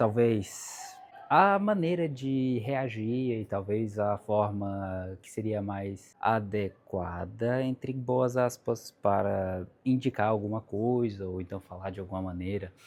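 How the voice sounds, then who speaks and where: A man speaks at a very slow pace, with big swings in loudness. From Brazil. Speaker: vlogger living abroad. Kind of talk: casual vlog monologue. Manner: hesitant, with fillers.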